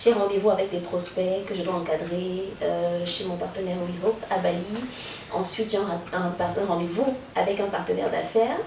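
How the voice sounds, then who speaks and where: Fairly slow, fairly even speech from a woman at a medium pitch, with noticeable background noise. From Cameroon. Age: young. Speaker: voice-over artist. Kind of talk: interview answer.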